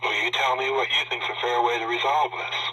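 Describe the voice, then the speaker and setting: A man on a phone call, speaking calmly and firmly in a lecturing way. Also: mid-range voice, fast talker, husky. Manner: calm, firm, lecturing. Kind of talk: tense phone conversation. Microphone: telephone.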